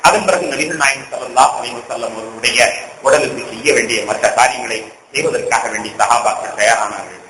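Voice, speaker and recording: A man's voice: mid-range voice, brisk, pushed and bright, echoey room, a little hiss or hum, rough recording. A man preaching a storytelling sermon, retelling events with emotion that rises into impassioned pleas.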